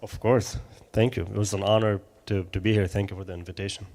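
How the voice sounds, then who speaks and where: A man's voice: lowish voice, little pitch movement, quick pace, a little mellow. A man from Syria in his thirties, a filmmaker guest answering questions in a live interview, hesitant with many fillers and restarts.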